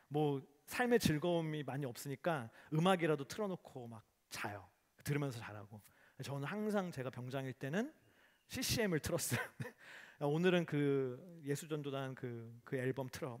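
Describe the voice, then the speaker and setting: Lively Korean pastor preaching, fairly high voice. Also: male voice. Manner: storytelling with humorous acted quotes, lively. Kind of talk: sermon. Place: church hall.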